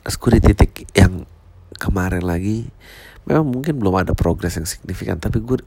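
A man's voice: sits low, animated, a little fast, creaky, mellow. A man, a stand-up comedian talking casually and reflectively, full of slang, swearing and English phrases.

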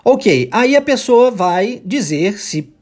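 Husky male English teacher, Portuguese first language, patient, models phrases slowly for students to repeat. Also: high-pitched, very animated, a little mellow. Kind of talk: podcast English lesson for Portuguese speakers.

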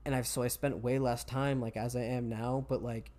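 A young man, talking casually as an interview guest and rambling with many fillers; his voice jumps higher when he gets excited. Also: moderate pace. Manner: rambling, heavy use of "like". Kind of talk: casual conversation.

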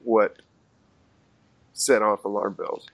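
A podcast host casually tells the story of a poker hand he played, full of fillers and restarts. His voice is lowish and flat, slow, and free of echo.

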